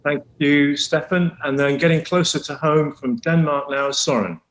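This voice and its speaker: A man's voice: on the high side, moderate pace, fairly bright tone, reverberant, rough recording. A man chairing an online panel discussion, hesitant and full of fillers, speaking over a video call.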